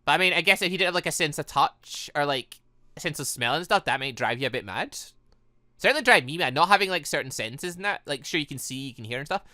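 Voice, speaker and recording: A video game let's-player giving rambling, excitable, casual commentary while playing. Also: medium pitch, quick pace, dry recording, clean studio sound. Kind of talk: casual gameplay commentary and read-aloud.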